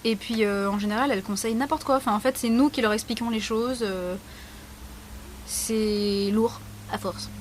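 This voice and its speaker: A woman's voice: fairly high pitch, slight background noise. A young woman vlogger talking casually and bluntly, sarcastic and frank, with lots of fillers. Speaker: beauty vlogger. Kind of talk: casual vlog answering a question tag.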